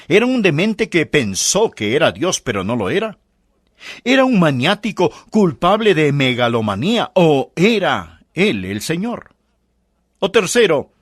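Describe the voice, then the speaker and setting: A man's voice: a little high, dry recording, studio quality. A man preaching a sermon, pressing the listeners with emphatic rhetorical questions.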